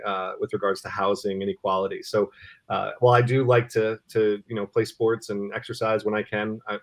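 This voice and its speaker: A man in his thirties from Cameroon, a nonprofit CEO speaking as a guest in a casual interview, with an eager, earnest manner. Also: lowish voice. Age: 30s.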